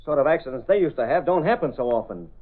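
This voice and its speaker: A man's voice: mid-range voice, expressive, fast talker, close to an everyday voice. An actor playing a brash, wisecracking male newspaper reporter in a 1930s radio drama. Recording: tinny old radio broadcast.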